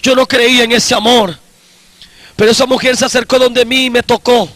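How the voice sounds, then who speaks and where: A man in his forties with a very high, bright voice preaches his personal testimony as an evangelist. He talks slowly and with emphasis, going back over his own phrases. The sound is dry and close. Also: flat delivery, no echo.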